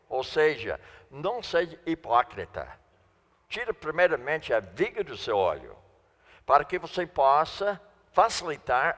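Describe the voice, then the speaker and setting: Slow-speaking non-native preacher in church. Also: male voice, on the high side, fairly bright tone. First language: not Portuguese. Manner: slow, deliberate preaching, repeating key phrases. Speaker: guest preacher. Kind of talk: sermon. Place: church sanctuary. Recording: long church reverb.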